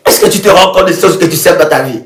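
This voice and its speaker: A man preaching in a live prayer broadcast, with fervent, repetitive declarations and bursts of shouting. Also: sits high, fast talker. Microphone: live video stream. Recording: echoey room with soft music.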